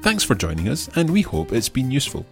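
A man hosting a podcast language lesson, modelling phrases slowly and clearly for a learner. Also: medium pitch, huge pitch swings, soft background music. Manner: slow, clear teaching delivery with drawn-out model phrases. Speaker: language teacher and podcast host.

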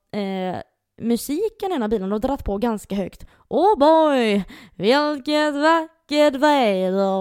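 A young woman on a podcast, telling a story casually and animatedly and acting out the voices she quotes. Her tone is dark and mellow, and the recording is close and dry, with no room sound. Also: on the high side, no room sound. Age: young adult. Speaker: podcast co-host.

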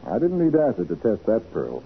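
A man's voice: fairly low pitch, huge pitch swings, a little fast. An American man playing a shrewd, self-assured private detective in a 1940s radio drama, explaining things with confident showmanship. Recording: muffled, noisy 1940s radio recording.

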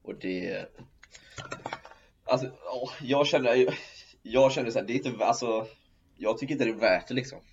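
A man's voice: mid-range voice, long pauses, slightly rough, lo-fi sound. A man chatting casually, rambling with many fillers. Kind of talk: casual chat.

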